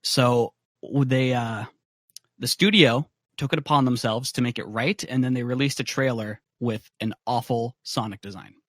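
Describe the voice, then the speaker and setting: A man's voice: medium pitch, steady tone, normal speed, a bit bright, no echo, clean studio sound. A man talking casually on a podcast, making his points in a matter-of-fact way. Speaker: podcast panelist.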